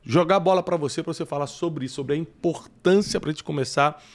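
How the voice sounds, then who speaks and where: A man hosting a talk show, animated and preachy, often bringing in scripture. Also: a little high, fast. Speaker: podcast host. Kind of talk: casual chat.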